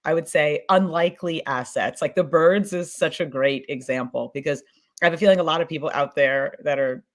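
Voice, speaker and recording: A woman's voice: deep voice, brisk. A woman in a casual panel discussion, speaking as a podcast producer in informal, circling phrases. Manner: informal, circling phrasing with many "you know" and "like".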